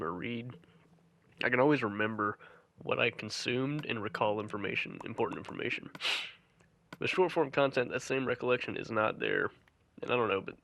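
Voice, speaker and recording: A young man talks through a stuffed-up nose, and his fairly low voice comes out nasal, with sniffles between phrases. He speaks in an earnest, measured way as he reflects on his own habits, sometimes restarting a sentence to get the wording right. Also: vocal fry, a bit bright. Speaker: channel host. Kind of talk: reflective monologue.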